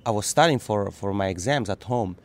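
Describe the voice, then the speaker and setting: A man from the Italian-speaking part of Switzerland, Italian native speaker with a Swiss Italian accent, chatting as a podcast guest in a lively way, often restarting words. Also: lowish voice, brisk. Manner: lively, laughs easily, repeats words when restarting. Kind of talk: casual interview.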